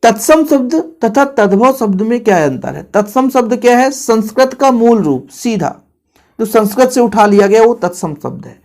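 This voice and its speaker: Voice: medium pitch, animated, normal speed, darkish tone. Teacher, exam-prep grammar lesson, chatty, repeats points, talks straight to students.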